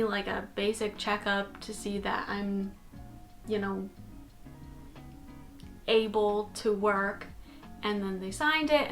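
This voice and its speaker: A chatty young Canadian woman vlogs from her bedroom in a casual talking-head style, her voice a little high. She is animated and gestures with her hands, recorded by a fixed camera at desk distance.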